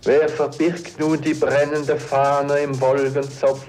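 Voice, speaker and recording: A solemn lamenting poet. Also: male voice, on the high side, little pitch movement, slow, a little mellow, soft background music, poor audio. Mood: mournful. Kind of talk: poetry recitation.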